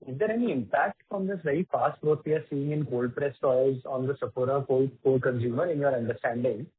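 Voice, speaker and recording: Husky man on a phone line. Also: mid-range voice, a little fast, no echo. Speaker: financial analyst asking questions. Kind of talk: questioning on an earnings call. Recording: dry, tinny phone line.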